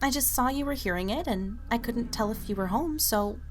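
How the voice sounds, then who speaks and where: Animated, high-voiced, insistent young woman played by an actress. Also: a little fast, slight background noise, close to an everyday voice. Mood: concerned. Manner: insistent, blunt. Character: intense, defensive, protective young waitress friend. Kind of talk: animated audio drama acting.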